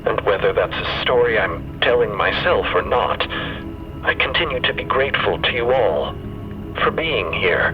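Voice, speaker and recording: A man playing a composed, eloquent crew member in an audio drama, speaking in measured, deliberate, gently mournful oratory. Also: on the low side, lively intonation, highs cut off, over music, lightly acted. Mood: reflective, mournful. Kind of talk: acted audio drama monologue.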